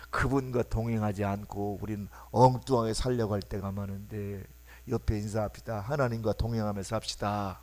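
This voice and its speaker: Emphatic Korean pastor preaching. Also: male voice, mid-range voice, a bit bright. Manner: emphatic, calls for congregation responses, acts out quoted voices. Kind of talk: sermon. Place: church sanctuary.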